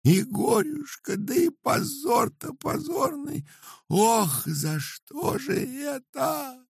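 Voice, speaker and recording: A man's voice: very high-pitched, big pitch swings, takes it slowly, creaky, dry recording, studio quality, pitched above the performer's own voice, full character voice. A man voicing a peasant wife who howls in despair as her home burns. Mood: wailing. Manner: howling lament.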